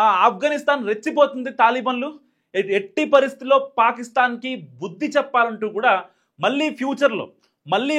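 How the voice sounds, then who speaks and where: A man with a Telugu accent giving emphatic, fast-moving political news commentary, with frequent fillers and restarts. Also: very high-pitched, a bit bright.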